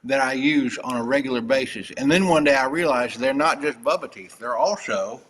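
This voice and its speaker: A man's voice: medium pitch, a little fast, fairly bright tone, in a large hall, a little hiss or hum, low-quality recording. A middle-aged man co-hosting a playful livestream, joking around while reading out fan-written word games. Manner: jokey, reads in silly put-on accents with false teeth. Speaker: co-host reading fan Mad Libs.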